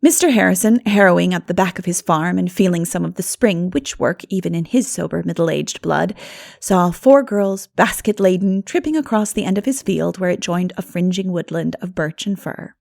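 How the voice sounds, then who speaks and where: A woman reading a classic novel as an audiobook narrator, in an expressive storytelling manner. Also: fairly low pitch, moderate pace, creaky. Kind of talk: scripted literary narration.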